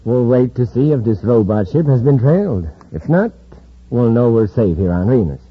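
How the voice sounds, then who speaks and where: An actor playing a cold, calculating villain who leads a gang, in an old radio drama. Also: male voice, medium pitch, expressive, moderate pace. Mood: scheming. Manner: smooth, cool menace. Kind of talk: 1950s radio drama acting. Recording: dull old radio broadcast recording.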